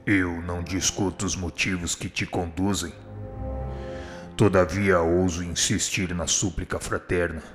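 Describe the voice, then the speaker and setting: A man's voice: sits low, little pitch movement, measured pace. An actor playing a kind, humble spirit instructor in a radio drama, solemn and eloquent as he pleads. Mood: earnest supplication. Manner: solemn, supplicating, formal and eloquent. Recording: long hall reverb, music underneath. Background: music.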